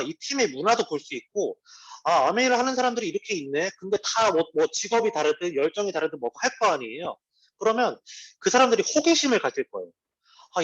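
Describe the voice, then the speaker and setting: A man speaks at a team meeting, his fairly high voice swinging up and down as he talks. He keeps it conversational and drops in personal asides and quick checks like "right?". The sound is a little dull and lo-fi. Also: fairly bright tone. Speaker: network marketing team leader. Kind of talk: motivational business talk.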